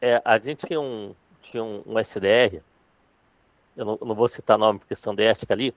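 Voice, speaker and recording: A man teaching sales in a casual live class, talking fast and eagerly, often restarting his sentences. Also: fairly low pitch, steady tone, no echo. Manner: fast-talking, calls himself accelerated. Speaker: sales trainer.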